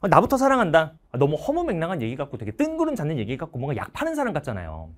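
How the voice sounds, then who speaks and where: A man's voice: a little high, huge pitch swings, very fast, a little mellow. A middle-aged male teacher giving a motivational talk to students, acting out parents and everyday scenes as he goes. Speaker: Korean history teacher.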